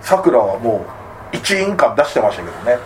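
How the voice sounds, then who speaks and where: Fast-talking animated man from Tsugaru. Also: on the low side, a little hiss or hum. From Tsugaru, Aomori, Japan. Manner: animated, rambling, quick to laugh. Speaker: podcast co-host, comedian. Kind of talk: casual chat.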